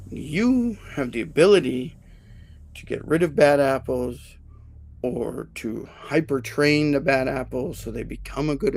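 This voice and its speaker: A man's voice: mid-range voice, creaky, darkish tone, slight background noise. A man hosting a live stream as an HR consultant, talking casually and often checking in with "right?". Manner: conversational, self-correcting, asks "right?" often. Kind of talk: casual livestream talk.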